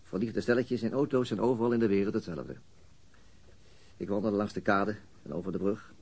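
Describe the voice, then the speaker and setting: An actor playing a weary, dry police detective in a radio drama, speaking in a deliberate, understated way. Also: male voice, on the low side, a little mellow, slightly rough. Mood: reflective, tense. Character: male police detective, weary, dry, recounting being shadowed. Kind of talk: radio drama acting, narrating and dialogue. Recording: noisy older radio drama recording.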